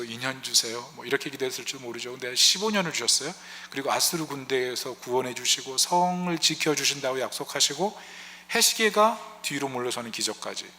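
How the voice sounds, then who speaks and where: A male pastor delivers a sermon in a church sanctuary, and his bright, forceful voice carries with a long reverb around it. He talks to the congregation conversationally, throws out rhetorical questions, and briefly voices the prayers he quotes. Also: mid-range voice.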